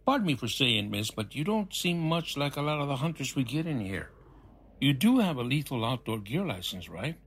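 A man's voice: mid-range voice, sing-song, normal speed, a bit bright, husky, heavily acted. An actor in an audio drama playing an obliging but wary hunting-shop salesman with a polite sales manner.

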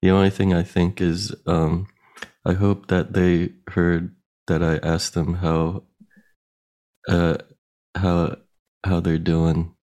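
Low, slow-drawling sleepy man. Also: level tone, dark tone. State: just woke up. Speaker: podcast co-host. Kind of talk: casual banter.

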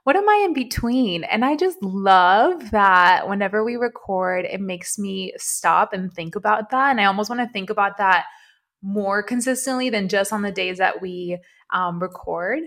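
A woman's voice: medium pitch, normal speed, fairly bright tone. A young woman co-hosts a casual chat podcast. She is from Venezuela and talks in a reflective, thinking-aloud way as she works things out. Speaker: podcast co-host.

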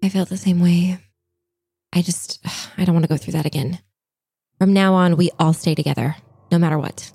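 A woman player speaking in character, calm and reassuring. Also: lowish voice, moderate pace, vocal fry, pauses often, husky, dry recording. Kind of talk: in-character role-play.

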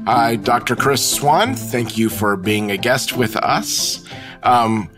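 A man hosting a podcast, reading a measured, even introduction and asking interview questions. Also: mid-range voice, music in the background. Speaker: podcast host.

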